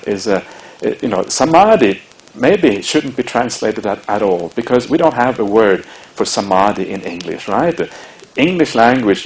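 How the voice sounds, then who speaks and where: A man with a Norwegian accent giving a measured, explanatory Buddhist dharma talk, with frequent hesitations. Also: lowish voice, poor audio. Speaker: Buddhist monk teacher.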